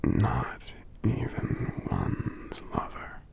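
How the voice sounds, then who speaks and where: A man voicing a gentle, congested giant lover in an intimate ASMR roleplay, murmuring softly and tenderly with small hums between phrases. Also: extremely slow. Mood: affectionate, reassuring. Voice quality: congested, stuffy, breathy half-whisper. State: congested from a cold. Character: gentle sick male giant, tender romantic partner.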